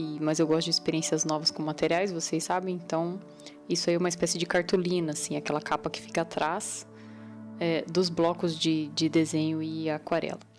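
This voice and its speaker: With music in the background, a woman with a Paraná accent speaks at a moderate pace in a very deep, low pitch, her intonation fairly even. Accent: Paraná Brazilian Portuguese. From Paraná, Brazil. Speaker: self-taught painter. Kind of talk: art tutorial narration.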